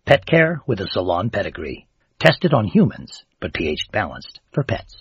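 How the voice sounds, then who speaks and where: A man reading a sponsor announcement in a brisk, upbeat style. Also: lowish voice, big pitch swings, breathy edge, dry recording. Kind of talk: scripted ad read. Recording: dry, dull audio.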